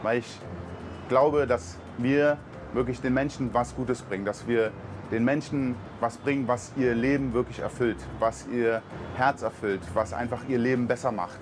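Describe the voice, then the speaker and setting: A man's voice: medium pitch, steady tone, moderate pace, background noise. A man from Berlin, a truck driver on a mission team, gives an earnest, heartfelt personal testimony with many fillers. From Berlin, Germany. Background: music.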